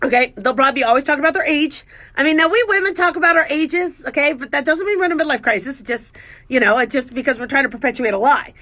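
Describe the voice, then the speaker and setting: Bright, high-voiced woman radio host. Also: fast talker. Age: 40s. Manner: chatty, self-mocking, lively and joking. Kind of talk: casual talk radio monologue.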